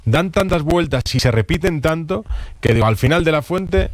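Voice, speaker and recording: A man hosting a casual sports talk show, talking in a relaxed, drawn-out way. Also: on the high side, dry recording, studio quality. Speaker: sports radio host.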